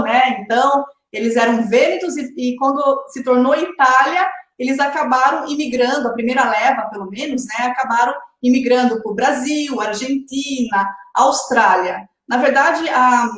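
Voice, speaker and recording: A woman's voice: on the high side, roomy sound, low-quality recording. A woman hosting a live online interview series, chatty and often adding tag questions. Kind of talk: casual live-stream hosting.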